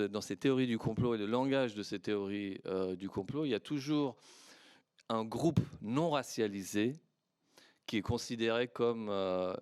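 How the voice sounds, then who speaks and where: A man, a native Persian speaker, answering questions on an academic panel in a measured way, often hesitating and restarting. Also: fairly low pitch, clear, resonant tone, no room sound, studio quality. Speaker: panelist historian. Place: conference hall.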